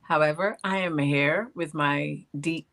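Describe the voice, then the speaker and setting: A woman co-hosting a casual livestream on a video call, relaxed and laughing, her voice deeper than usual tonight. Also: a little slow. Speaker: co-host of a livestream talk show.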